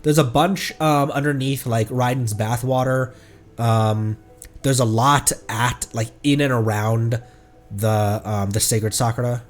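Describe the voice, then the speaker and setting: A game streamer thinking out loud casually while playing, in a live commentary style. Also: mid-range voice, steady tone, measured pace, faint music behind.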